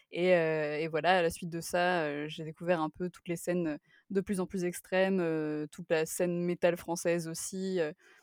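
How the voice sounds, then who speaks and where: A woman with a plain, everyday voice and a fairly low pitch talks at a fairly slow pace with fairly even intonation, in a dry, close sound with no echo. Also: very clean recording, silent background. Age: 20s. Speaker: music journalist. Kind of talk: casual chat.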